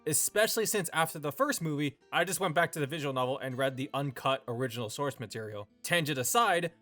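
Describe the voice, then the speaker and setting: A man's voice: fairly high pitch, fairly bright tone. A man hosting a video essay, delivering scripted opinion narration.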